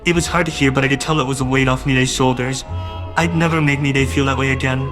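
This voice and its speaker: A man's voice: mid-range voice, steady tone, fast, over music. A man narrating a first-person audio drama in a wistful, doting way that grows uneasy.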